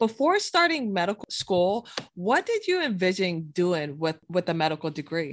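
A woman at a medium pitch speaks at a moderate pace in an ordinary speaking voice, with lively intonation and very even loudness. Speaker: podcast host, sports medicine clinician. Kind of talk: casual interview chat.

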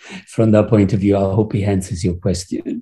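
A man's voice has a dark, mellow tone, is somewhat breathy, and keeps a fairly even intonation. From Italy, Rome. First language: Italian. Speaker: artist. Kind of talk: interview.

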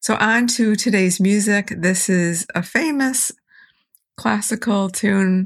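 Over a silent background in a very clean recording, a woman speaks at a fairly slow pace in a medium pitch with ordinary pitch variation. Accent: American. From Syracuse, New York, US. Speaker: podcast host and pianist. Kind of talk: casual monologue.

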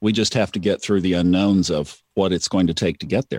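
In an Oklahoma accent, a man speaks at a fairly quick pace with a very deep, low pitch. The recording is very clean and silent in the background, dry and close with no echo. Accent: Southern US, Oklahoma. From Tulsa, Oklahoma, US South. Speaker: podcaster, astrology and subconscious mind teacher. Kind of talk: casual interview, storytelling. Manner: friendly, chatty.

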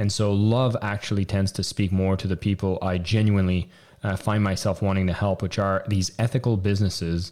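A man with a French Canadian accent talks at a fairly quick pace in a fairly low pitch, his dark, mellow tone held to fairly even intonation. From Quebec, Canada. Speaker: sales author and podcaster. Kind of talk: interview. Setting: video call.

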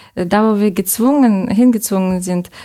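This woman's tone is dark and mellow. She talks at a fairly slow pace. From Russia, St. Petersburg. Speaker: nature enthusiast. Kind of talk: interview. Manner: halting.

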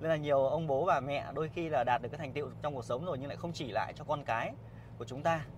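A man talks at a very fast pace with vocal fry and fairly even intonation. Audible room echo surrounds his voice. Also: fairly high pitch for a man. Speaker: motivational vlogger. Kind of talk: casual motivational talk to camera. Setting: in a car.

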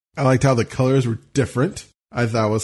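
Against a quiet background, a man with an American accent speaks very fast at a medium pitch, his voice somewhat breathy and his intonation fairly even. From Washington State, US. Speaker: podcast host and life coach. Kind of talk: casual interview podcast.

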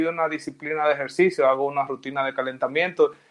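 Using monotone, flat intonation, a man speaks at a fairly high pitch. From Dominican Republic, Santiago de los Caballeros. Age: 30s. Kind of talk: radio interview.

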